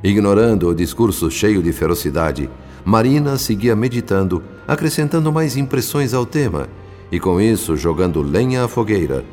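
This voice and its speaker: An actor playing a solemn spirit narrator in a radio drama, with grave, formal, literary delivery. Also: male voice, lowish voice, animated, moderate pace, darkish tone, natural voice. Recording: long reverb with music behind. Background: music.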